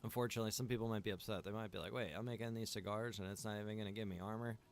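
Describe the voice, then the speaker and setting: Casting: young adult male streamer, low-ish voice, loose rambling chat with viewers. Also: rapid-fire. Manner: rambling, relaxed, chatty with viewers. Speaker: streamer and server owner. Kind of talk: casual gaming stream chat.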